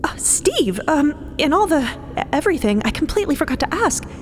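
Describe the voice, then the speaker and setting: A woman playing an earnest, self-conscious adventurer in an audio drama, talking in a casual, halting, awkward way. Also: sits high, big pitch swings, slight background noise. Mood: impressed, excited. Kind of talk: scripted audio drama acting. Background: music.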